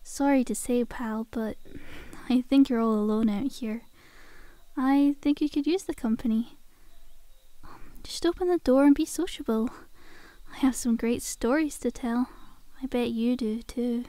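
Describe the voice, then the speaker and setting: A woman's voice: fairly high pitch, steady tone, measured pace, mellow, no room sound, natural voice. A woman playing a friendly, sly zombie girl in an ASMR roleplay, coaxing a survivor in a chummy, casual, faux-innocent way.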